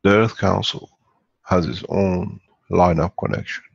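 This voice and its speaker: Deep, gravelly man on a dull call line. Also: measured pace, no echo. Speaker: host. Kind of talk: speech on an online call.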